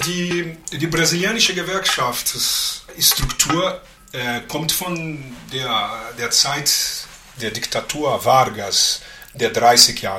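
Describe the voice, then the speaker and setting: Through noticeable background noise, a man with a Portuguese accent talks at a very slow pace with lively intonation. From Brazil, São Paulo. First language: Portuguese (speaking German). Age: 50s. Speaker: trade union adviser and lawyer. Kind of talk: interview. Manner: halting.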